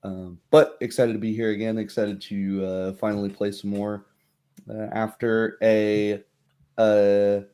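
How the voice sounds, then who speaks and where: A tired man chatting casually as game master and host of a livestreamed tabletop game, giving a recap in a halting way. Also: on the low side, level tone, dark tone, clean tone.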